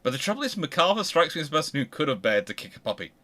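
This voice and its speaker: A man hosting a casual history discussion, thinking aloud in a discursive, animated way. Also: fairly high pitch, very fast. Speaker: host of a history discussion show.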